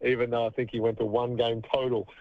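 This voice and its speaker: An Australian man in his thirties, a retired basketball player, tells long stories down a tinny phone line. His voice sits at an ordinary middle pitch and he often laughs as he talks. The sound is dry and narrow. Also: flat delivery, fast, no echo. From country New South Wales, Australia. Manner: chatty storyteller, laughs often. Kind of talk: radio phone interview.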